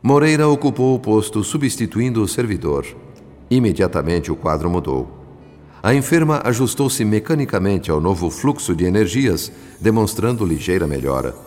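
A man narrating a radio drama in the role of a solemn spirit witness, in measured, literary phrasing. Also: fairly low pitch, very animated, a little mellow. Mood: grave, compassionate. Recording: long hall reverb, faint music behind.

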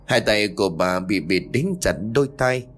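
A man narrating a horror story in a steady, suspenseful scripted way. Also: lowish voice, moderate pace. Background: faint music.

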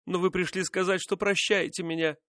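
A tearful royal mistress begs forgiveness in high, breaking exclamations, as a male reader puts her on. Her voice climbs far above an ordinary speaking pitch and stays loud and urgent. The audiobook sound is close and dry. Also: little pitch movement, a little fast, no echo. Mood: pleading. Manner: pleading, exclamatory. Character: proud, tearful royal mistress, young woman.

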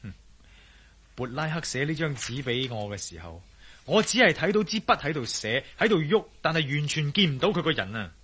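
A confident adventurer, radio drama, bright husky voice, lively pitch. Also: male voice, fairly quick, full character voice. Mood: steady. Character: bold adventurer man, calm and sure of himself.

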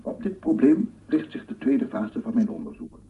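A man performs an obsessive, fervent scientist in a radio play, addressing his audience formally. His pitch swings dramatically as he repeats key phrases in wonder. The sound is thin and phone-like, a little away from the microphone. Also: sing-song, normal speed, distant mic, lightly acted. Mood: pondering, formal. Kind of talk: radio drama lecture monologue. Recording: muffled phone-like radio play recording, off-mic.

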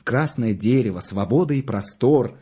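A man voicing a smooth-talking middle-aged undertaker who gushes over his wares. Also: medium pitch, expressive, moderate pace, mellow, highs cut off. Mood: boastful. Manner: salesman's patter, swooping with enthusiasm. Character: oily, gushing middle-aged male undertaker.

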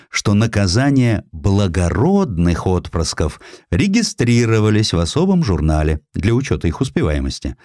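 Выразительный мужской голос рассказчика, низкий, с живыми интонациями. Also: male voice, on the low side, darkish tone, dry recording, studio quality. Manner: theatrical, wry storytelling. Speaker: audiobook narrator. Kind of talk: expressive scripted narration of a historical sketch.

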